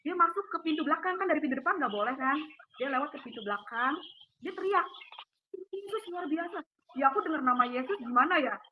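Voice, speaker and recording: A woman tells her faith testimony over a call, in an emotional, rushed, vivid way. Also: high-pitched, expressive. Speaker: guest giving a faith testimony. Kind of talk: casual storytelling over a call. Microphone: phone or video call. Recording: tinny phone line with faint hiss.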